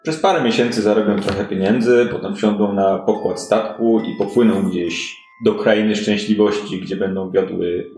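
Casting: male game master as condescending, teasing underworld madam for fantasy tabletop game, low register, roomy sound. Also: steady tone, normal speed, hardly any pauses, a little mellow, a little hiss or hum, lightly acted. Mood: cynical, matter-of-fact. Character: haughty red-haired woman, streetwise port madam.

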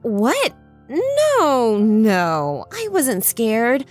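A woman's voice: fairly high pitch, wildly swooping pitch, extremely slow, faint music behind, heavily acted. A woman playing an eager, easily flustered young medical assistant in an audio drama, polite and a little awkward.

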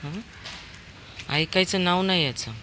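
A woman's voice: fairly low pitch, a little slow, background noise. A woman vlogging her dog, chatting away and fondly scolding and coaxing him. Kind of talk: casual pet vlog commentary. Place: outdoors on a walk, later at home.

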